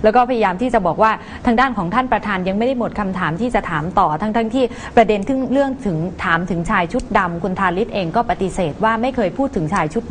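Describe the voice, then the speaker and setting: A young woman with a medium-pitched voice hosts a political talk show. She puts points and questions to her guest in a TV studio, with faint noise in the recording. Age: young adult. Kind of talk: political interview.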